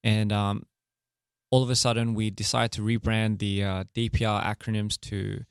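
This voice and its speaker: Young male interview guest: deep-ish, grainy, easygoing chatter, dry close sound. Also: moderate pace, clean tone, dry recording. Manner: relaxed and candid, many fillers and laughs. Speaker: interview guest, music artist and director. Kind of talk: casual interview chat.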